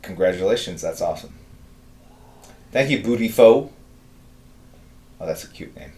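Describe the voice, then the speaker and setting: This live drawing streamer, a man in his fifties, reads out viewer messages and rambles casually, leaning on fillers. His voice sits low with a dark tone and lively intonation, his pace is moderate, and the room is echoey.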